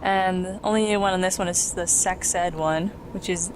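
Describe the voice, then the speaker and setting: A woman's voice: on the low side, fairly even intonation, moderate pace, a little hiss or hum, low-quality recording. A young woman casually commenting on a video game she is playing, chatty and giggly, explaining what is on screen. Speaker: let's play host.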